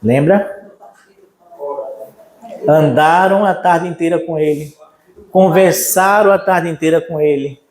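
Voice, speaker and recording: A man with a Brazilian Portuguese accent preaching a sermon as pastor, animated and acting out the voices of the people in his story. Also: fairly high pitch, takes it slowly, long pauses, reverberant, poor audio. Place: church.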